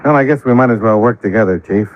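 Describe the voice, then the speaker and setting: Actor as a low-voiced, wry radio detective. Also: male voice, quick pace, lightly acted. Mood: cool, guarded. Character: cool, wry, shrewd male insurance investigator narrating his case. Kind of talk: 1950s radio detective acting and narration. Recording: dull lo-fi old radio recording.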